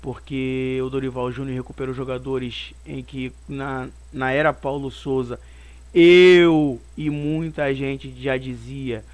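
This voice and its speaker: A hoarse man with a Brazilian Portuguese accent, hosting his own football channel and rambling opinionated commentary on a match, circling back on his points. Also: mid-range voice, fairly even intonation, slow. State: hoarse from a cold.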